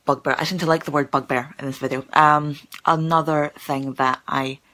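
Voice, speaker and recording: This young live-streamer stammers as she chats with viewers, repeating words and using many fillers. Her deep voice is bright and forceful, fairly even in intonation, at a moderate pace. The phone recording her is held at arm's length in a small room.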